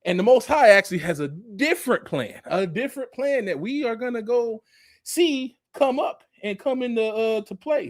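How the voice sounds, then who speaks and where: Clean studio sound with no echo carries this high male voice. A man in his forties, a Bible teacher, preaches from scripture conversationally and casually, with frequent restarts, repeated "you know"s, and emphatic, mocking asides.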